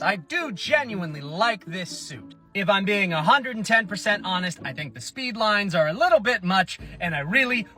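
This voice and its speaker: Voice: medium pitch, sharp tone. A content creator giving casual, opinionated commentary with sarcastic asides.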